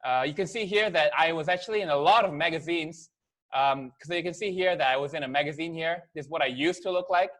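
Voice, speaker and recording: A man in his thirties, raised in Korea with Korean as his first language, walks viewers through a slide presentation. His delivery is casual and chatty, leaning on fillers and frequent "okay?" checks. His voice sits slightly high for a man. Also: fast, a bit bright. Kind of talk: business presentation to camera.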